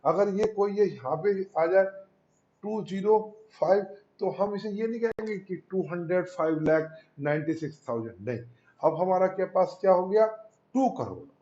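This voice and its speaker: Patient Indian maths teacher, roomy lo-fi sound. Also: male voice, high voice, lively intonation, moderate pace, mellow. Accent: Indian English number words. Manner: patient, repetitive, asks and answers his own questions; calls students "beta". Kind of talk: classroom maths lesson. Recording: roomy, dull lo-fi classroom recording.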